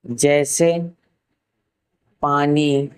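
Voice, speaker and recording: A man from Uttar Pradesh giving a science lesson, asking rhetorical questions and answering them himself, and slowly repeating key terms for note-taking. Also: on the high side, flat delivery, clean tone. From Uttar Pradesh, India. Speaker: science teacher. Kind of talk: classroom science lecture.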